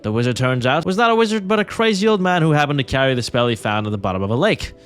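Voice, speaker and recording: A man voicing a pompous male king reading from his journal in a put-on pretentious British accent, declaiming loudly and higher than his usual voice. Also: very animated, rapid-fire, smooth, faint music behind, natural voice.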